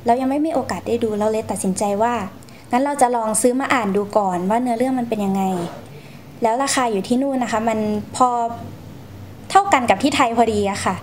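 Speaking briskly in a higher voice, a young Thai woman recounts her experiences as a guest storyteller. She responds to interview questions in a courteous, explanatory way. A little hiss or hum can be heard.

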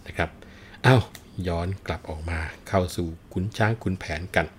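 A middle-aged man with a very low voice explains and retells a classic tale at an unhurried pace. He addresses the listeners directly and politely, and a faint noise sits under the voice. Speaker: storyteller. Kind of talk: explanatory storytelling talk.

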